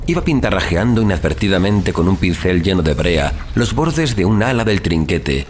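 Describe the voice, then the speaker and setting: A man's voice: deep voice, lively intonation, normal speed, slight background noise. A man reading a horror tale as a dramatic audiobook narration, in a solemn, literary and theatrical delivery. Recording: music under the voice. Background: music.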